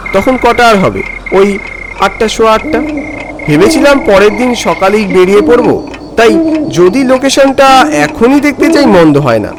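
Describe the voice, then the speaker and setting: A man narrating a first-person horror story in a theatrical, expressive way. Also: high voice, noisy background. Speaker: narrator, telling as a film director character. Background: music.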